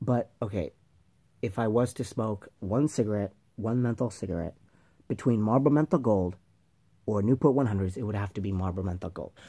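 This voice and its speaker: A man's dark, mellow voice, fairly low in pitch, at a moderate pace with long, frequent pauses and ordinary pitch variation, over a quiet background. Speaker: cigarette reviewer. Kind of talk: casual talk to camera. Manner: stammering, hesitant. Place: home room. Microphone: webcam.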